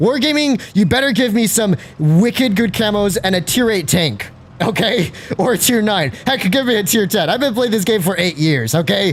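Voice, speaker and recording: Energetic and lively in intonation, a man speaks with a high pitch and very even loudness. Background noise is noticeable. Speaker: gaming streamer. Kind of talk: live gameplay commentary. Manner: fast.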